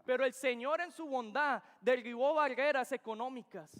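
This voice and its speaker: A man's voice: very high-pitched, moderate pace, fairly bright tone. A young man preaches. He speaks in earnest, emphatic bursts and keeps circling back to his key phrases. The sound carries the long reverb of a church sanctuary. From Venezuela. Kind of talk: sermon.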